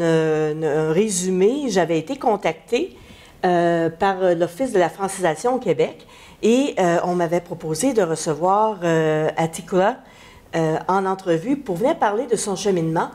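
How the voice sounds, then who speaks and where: A woman hosts a local TV interview. She asks questions in a friendly way, with many pauses and fillers. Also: fairly low pitch, animated, mellow. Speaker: host. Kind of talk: television interview.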